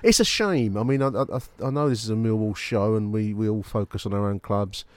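A man's voice: fairly low pitch, a little fast, dry recording. A man co-hosting a casual football radio show, wry and a bit grumbling, with mock advert reads.

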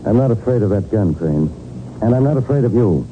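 An actor playing a righteous, unbending special prosecutor in a 1940s radio drama, crisp, scornful and declamatory. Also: male voice, on the low side, lively intonation, fairly quick, lightly acted. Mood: scornful defiance. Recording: tinny old radio broadcast, faint noise.

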